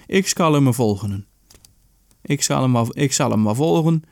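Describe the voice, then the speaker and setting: A man's voice: medium pitch, expressive, measured pace, vocal fry, no echo, clean studio sound. A man voicing a protective father bird who scolds an intruder at his nest. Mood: scolding. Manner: stern, scolding.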